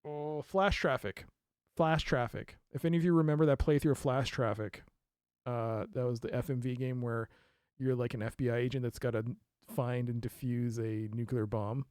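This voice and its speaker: A man's voice: mid-range voice, fairly even intonation, normal speed, darkish tone, clear, resonant tone, no room sound, clean studio sound. A man streaming a mystery game, reading case notes aloud and reacting with laughs and asides. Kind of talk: casual let's play commentary.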